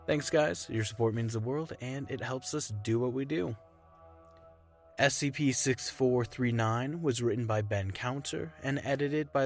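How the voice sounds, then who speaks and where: A man reading scripted narration in a measured, formal manner and hosting the show's credits. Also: mid-range voice. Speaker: narrator and podcast host. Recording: music under the narration.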